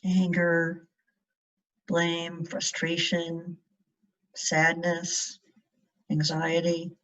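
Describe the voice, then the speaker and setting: A woman guides a meditation very slowly, in a fairly low voice. She speaks in measured phrases with long pauses. She sounds set back from the microphone, and the recording is a little dull. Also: completely flat delivery. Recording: distant mic, dull muffled sound.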